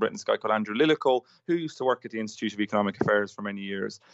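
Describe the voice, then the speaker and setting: A man with an Irish accent and lively intonation. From Ireland. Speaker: journalist and author. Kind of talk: interview.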